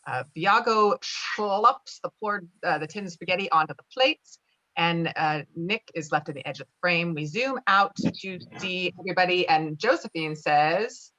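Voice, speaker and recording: Female narrator for a script read-through, lowish pitch, informal and slightly halting delivery. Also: animated, pushed and bright, highs cut off. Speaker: stage directions reader.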